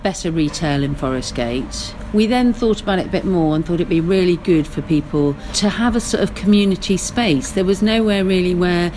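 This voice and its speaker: A woman's voice: lowish voice, normal speed, hardly any pauses, a little mellow, poor audio. A woman speaking conversationally as an interview guest, with outdoor traffic noise around her. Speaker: interview guest, market co-founder.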